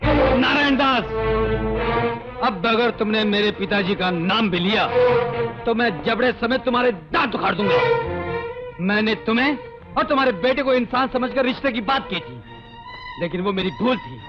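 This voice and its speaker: A man's voice: high voice, normal speed, lo-fi sound, over loud music, natural voice. A man playing an earnest, proud young brother. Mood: angry. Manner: earnest and dramatic, turning fierce. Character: proud young engineer, protective elder brother. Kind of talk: 1980s film drama acting.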